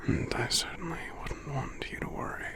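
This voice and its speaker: A man playing a sick, gentle giant lover in an ASMR roleplay, murmuring drowsily and tenderly in a breathy whisper with gravelly hums. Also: lightly acted. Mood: weary, affectionate. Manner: slow, tender, halting, murmuring hums between phrases. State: drowsy, under the weather.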